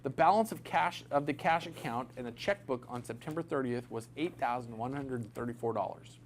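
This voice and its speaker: A man's voice: medium pitch, fairly quick, a little hiss or hum. A man teaching an accounting class in a classroom, talking casually, joking and asking his students questions. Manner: chatty, jokey, asks the class questions. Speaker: accounting instructor. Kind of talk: classroom lecture.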